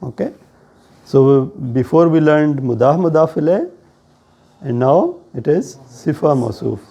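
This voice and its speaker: Male teacher, South Asian accent. Unhurried, deliberate classroom explanation, soft-edged timbre with some creak. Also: on the high side, sing-song. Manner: deliberate, explanatory, checking questions. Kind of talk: classroom lesson on Arabic grammar.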